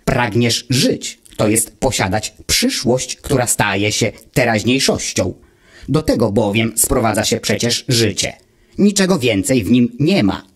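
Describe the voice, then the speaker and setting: In an audiobook reading of a fairy tale, a man voices a calm, pedantic mechanical friend who lectures with cold, measured reasoning. His voice sits at medium pitch with a breathy edge.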